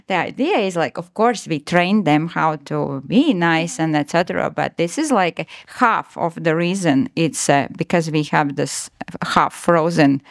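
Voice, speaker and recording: Chatty woman, laughs a lot, lowish voice, dry close sound. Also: expressive, gravelly, no echo. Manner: laughing, chatty, loose halting phrasing. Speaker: guest. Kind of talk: casual podcast chat.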